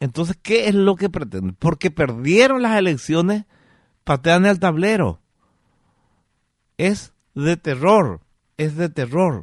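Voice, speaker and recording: A man's high voice, very slow with long, frequent pauses, in a dry, close sound with no echo. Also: lively intonation. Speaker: radio host. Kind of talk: radio call-in show.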